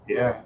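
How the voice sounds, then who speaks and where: An older man drifts through a slow, repetitive livestream chat, tired and a little unwell. He often trails off into soft chuckles. The sound is dull and lo-fi, with a faint hiss underneath. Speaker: livestream host. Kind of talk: rambling casual livestream chat. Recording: dull lo-fi stream audio with faint noise.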